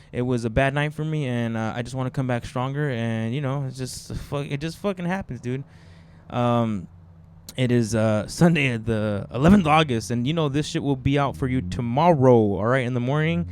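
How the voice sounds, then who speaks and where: A man with a medium pitch and ordinary pitch variation keeps up a moderate pace. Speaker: podcast host and stand-up comedian. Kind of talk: casual chat.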